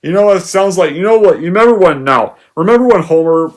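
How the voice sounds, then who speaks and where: A young man ranting through a movie review, sarcastic and exasperated, with sudden loud outbursts. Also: sits high, expressive, quick pace.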